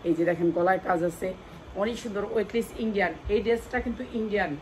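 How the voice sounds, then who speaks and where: A woman with a Bangladeshi accent doing an insistent hard-sell live sales pitch for wholesale clothing, repeating key phrases and prices over and over. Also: rapid-fire, a little mellow, a little hiss or hum, low-quality recording. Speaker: clothing wholesale seller presenting stock.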